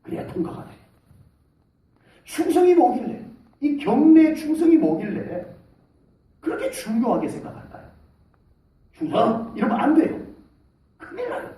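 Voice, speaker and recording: A middle-aged male pastor preaching with a high, swooping voice, now and then shouting military salutes as he plays soldiers. It is captured in a very echoey church hall, from a distance, with faint noise behind. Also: very animated, moderate pace, pauses often. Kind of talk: sermon. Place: church sanctuary.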